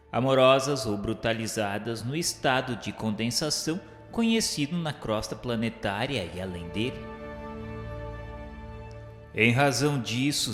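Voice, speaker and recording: A man's voice: medium pitch, fairly bright tone. Male Brazilian narrator for spiritual radio drama: solemn, literary, instructive delivery, mid-range voice, long reverberant tail. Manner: formal, measured, didactic. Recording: echoey hall reverb, music underneath. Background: music.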